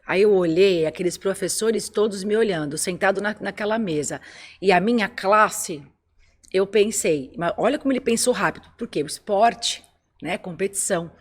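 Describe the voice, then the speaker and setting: A woman in casual conversation, telling a story about her son with lively quoted dialogue. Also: mid-range voice, normal speed.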